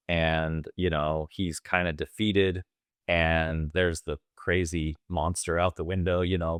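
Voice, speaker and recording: A man's voice: low voice, smooth, dry recording, studio quality. A man co-hosting a movie podcast, eagerly retelling film scenes at length in casual chat. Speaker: podcast co-host.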